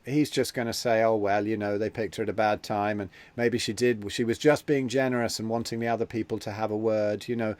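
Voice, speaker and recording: A man's voice: lowish voice, fairly even intonation, a little fast, hardly any pauses, a little mellow, no echo. Rambling man in a dry room. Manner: rambling, repeats words when starting a thought. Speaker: host. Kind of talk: casual video-call chat.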